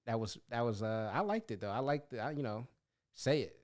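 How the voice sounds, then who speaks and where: A man co-hosting a casual podcast, talking in animated bursts that trail off and restart. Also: medium pitch, brisk. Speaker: podcast co-host.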